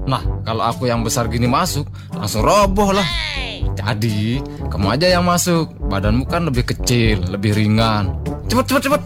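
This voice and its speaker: A man's voice: mid-range voice, big pitch swings, moderate pace, natural voice. A man playing a big, greedy, boastful and cowardly elder brother in a comic folktale drama, blustering and exclamatory. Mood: bossy, scheming. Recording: music behind the voice.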